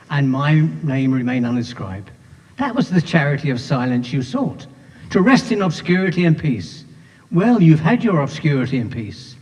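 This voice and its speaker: A man's voice: on the high side, a little mellow, close to an everyday voice. A man playing an officious moderator. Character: formal inquiry moderator, brisk and official. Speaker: stage actor. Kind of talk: amateur stage play. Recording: dull sound, hall reverb from a stage.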